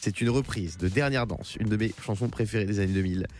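A man's voice: on the low side, fast, darkish tone. A man in his early thirties hosting radio in a playful, upbeat, infomercial-like promotional style. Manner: teasing, playful. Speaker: radio host.

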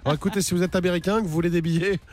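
Man, radio host, fast talker, slightly raised pitch, hoarse, studio. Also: steady tone, a little mellow, slight background noise. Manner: joking, fast-talking. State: losing his voice. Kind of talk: lively radio banter.

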